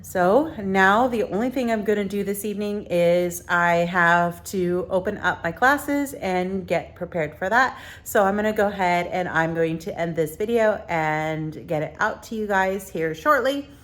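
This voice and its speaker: A woman's voice: medium pitch, measured pace. A woman chatting casually in a vlog, rambling with fillers, sometimes stuffy from allergies. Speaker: vlogger. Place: theme park, outdoors and at home.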